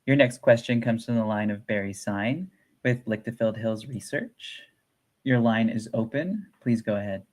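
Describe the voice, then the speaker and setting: A man's voice: fairly low pitch, moderate pace, a little mellow. A man working as a conference call operator, reading scripted announcements in a formal, procedural way.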